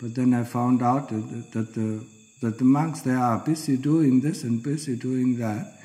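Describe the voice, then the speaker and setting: A man with a dark, mellow tone speaks at a fairly slow pace with fairly even intonation. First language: German. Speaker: Buddhist monk teacher; monk teacher. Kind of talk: dharma talk. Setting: monastery. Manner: halting, frequent filler 'yeah?'. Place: hall.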